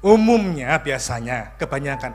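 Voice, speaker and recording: A male pastor, preaching a lively sermon full of jokes and questions to the congregation. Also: medium pitch, moderate pace, faint music behind. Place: church.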